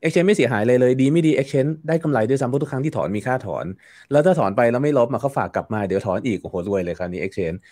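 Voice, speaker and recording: A man's voice: medium pitch, animated, fast, warm tone, dry recording. A man speaking as a guest in a casual interview, explaining at length with frequent fillers and repeated words. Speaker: guest commentator.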